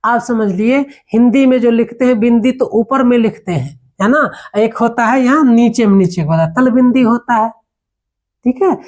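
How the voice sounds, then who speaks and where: A patient teacher, a man, explains grammar in a classroom manner. He says each example word slowly and repeats it, and he keeps checking that his listeners are with him. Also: very high-pitched, a little mellow. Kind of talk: classroom lesson.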